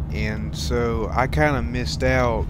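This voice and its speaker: Loud background noise accompanies a man speaking at a very slow pace, with a dry sound and no echo. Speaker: travel vlogger. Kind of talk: casual vlog chat. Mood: a little wistful. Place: car. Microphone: phone near.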